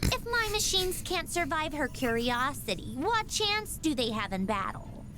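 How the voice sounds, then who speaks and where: Proud, animated young woman inventor. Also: sits high, measured pace. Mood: exasperated, wry. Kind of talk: video game character voice lines. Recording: background music.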